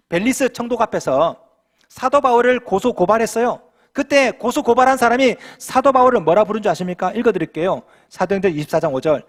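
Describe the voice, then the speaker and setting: A male pastor preaching in a church with a high, lively voice that swoops up and down. He keeps asking the congregation playful rhetorical questions and drops in light humor. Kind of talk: sermon. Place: church sanctuary.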